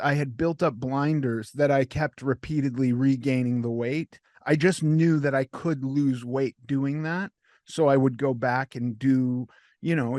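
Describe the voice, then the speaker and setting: A man's voice: mid-range voice, a little mellow, no room sound. Male podcast host asking a rambling question, dry sound. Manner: rambling, self-reflective questioning. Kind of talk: conversational interview question.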